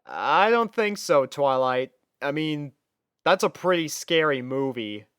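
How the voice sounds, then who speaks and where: A man's voice: fairly high pitch, sing-song, slow pace, fairly bright tone, clear, resonant tone, no room sound, clean studio sound, full character voice. A man voicing an easygoing, slightly hesitant young male roommate in a fan fiction audio reading. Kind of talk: fan fiction character acting.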